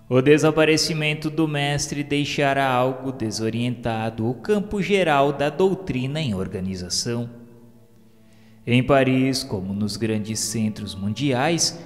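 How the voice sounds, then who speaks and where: A Brazilian man reading a scripted radio narration in a solemn, formal, measured way. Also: medium pitch. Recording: long reverb, music behind the voice. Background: music.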